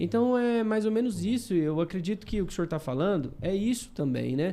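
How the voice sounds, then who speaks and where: A high-pitched male voice with a dark, mellow tone, lively intonation, very even loudness and a fairly quick pace. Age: 30s. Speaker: podcast host. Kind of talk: casual chat.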